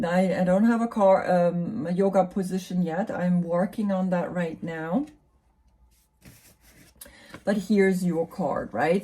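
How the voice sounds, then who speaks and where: A woman with a German accent, explaining tarot cards in a relaxed, musing way, with lots of fillers and tag questions. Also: fairly low pitch. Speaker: tarot reader and yoga teacher. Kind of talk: casual explanatory talk about tarot cards.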